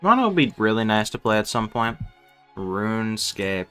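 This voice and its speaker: A man doing casual, unscripted game commentary on a stream, thinking out loud and swearing freely. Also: on the low side, sing-song, normal speed, soft background music.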